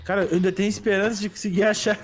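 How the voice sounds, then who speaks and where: A man's voice: sits high, flat delivery, rapid-fire. A young Brazilian man playing as a guest in casual gameplay chat, teasing and laughing often. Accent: Brazilian Portuguese. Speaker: guest player.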